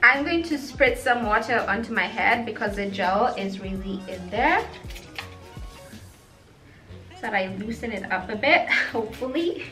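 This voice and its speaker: A woman's voice: mid-range voice, lively intonation, measured pace, long pauses, bright, forceful tone. A young woman chatting through a hair tutorial vlog, playful and sassy with giggly asides. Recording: echoey room with faint music.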